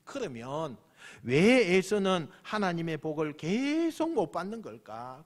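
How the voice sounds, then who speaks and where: A senior pastor preaches a sermon with emphasis, repeating phrases and asking the congregation questions. His voice is high-pitched.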